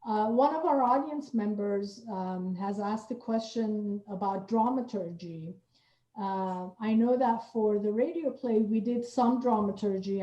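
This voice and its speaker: A woman hosting a panel conversation as a radio play director, putting thoughtful, measured questions. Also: mid-range voice, mellow. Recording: roomy, distant, dull video-call audio.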